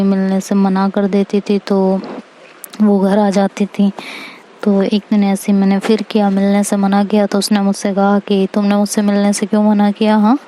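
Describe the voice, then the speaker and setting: A young woman lover speaks slowly and hesitantly in a coaxing tone, with a mellow, dark-leaning voice, voiced by a woman storyteller. She sounds low-key and intimate. Faint background noise sits behind her. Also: close to an everyday voice, rough recording.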